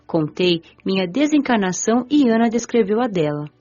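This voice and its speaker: A woman's voice: mid-range voice, big pitch swings, normal speed, dark tone. A woman with a Brazilian accent reading scripted first-person narration for an audiobook. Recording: muffled lo-fi audio with music.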